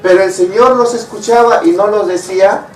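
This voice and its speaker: High-voiced preacher in an echoey hall. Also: male voice, fairly even intonation, moderate pace, faint music behind. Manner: asks the congregation rhetorical questions. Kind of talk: sermon. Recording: echoey room, mic far off.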